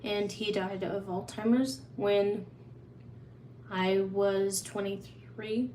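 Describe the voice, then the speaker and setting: A woman's voice: medium pitch, flat delivery, takes it slowly, warm tone. A chatty woman hosts a casual livestream Q&A. Her voice stays fairly level with little rise and fall. The room is echoey, with a faint hum of ambience behind her. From Oklahoma. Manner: chatty, open, answers viewers' questions. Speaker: livestream host. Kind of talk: casual live Q&A.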